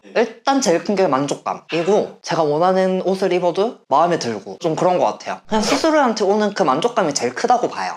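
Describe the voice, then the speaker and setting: The pitch swings very widely at a fairly quick pace. Hardly any pauses break it up, and background noise is noticeable. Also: woman, medium pitch for a woman. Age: 20s. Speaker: interviewee, bar worker, former hairdresser. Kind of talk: interview. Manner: casual.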